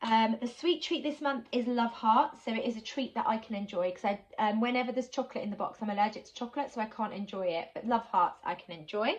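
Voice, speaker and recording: A woman talks in a chatty, enthusiastic way, full of little ums, with a bit of a sniffly cold in her voice. Her voice sits a little high. The recording sounds slightly dull and lo-fi. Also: fast talker, few pauses, slight background noise. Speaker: sewing vlogger. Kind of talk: casual unboxing chat.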